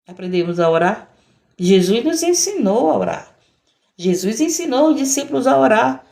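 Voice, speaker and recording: A woman's voice: fairly high pitch, very animated, moderate pace, gravelly, a little mellow. A woman missionary preaching a sermon, emphatic and repetitive, often breaking in with praise.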